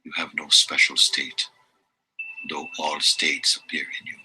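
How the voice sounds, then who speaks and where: A man giving a slow, meditative reading of spiritual teachings, measured and deliberate, with long pauses. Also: extremely low pitch, completely flat delivery, pushed and bright, slightly rough, low-quality recording.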